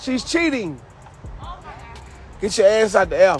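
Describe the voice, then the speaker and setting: A man speaks with music playing in the background. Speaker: fitness instructor. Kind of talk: live group fitness class coaching. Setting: gym with a group. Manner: loud, fast, bossy, barking commands; joking, profane, animated.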